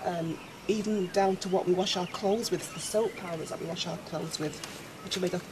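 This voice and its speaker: A woman born in Jamaica and raised in England, explaining calmly as a talk show guest. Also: lowish voice, fairly quick, background noise. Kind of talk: casual studio talk show chat.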